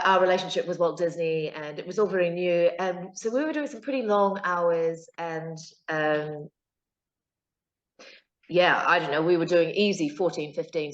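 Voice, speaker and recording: A woman with a New Zealand accent, a guest actor chatting casually in an interview, full of fillers and side stories. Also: fairly low pitch. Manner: chatty, anecdotal, frequent fillers. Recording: echoey, dull lo-fi call audio.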